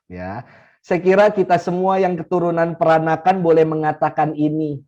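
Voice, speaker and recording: A middle-aged man from Indonesia, a Catholic priest, giving an unhurried teaching talk to his congregation and repeating key phrases for emphasis. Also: fairly high pitch, a little mellow. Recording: slightly dull lo-fi recording.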